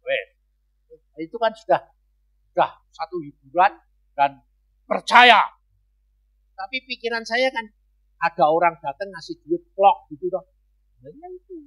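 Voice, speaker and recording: A middle-aged man, an evangelist telling a personal testimony in a sermon, chatty and given to sudden loud bursts. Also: sits high, animated, unhurried, long pauses. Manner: conversational storytelling with sudden jumps in loudness. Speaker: evangelist preacher.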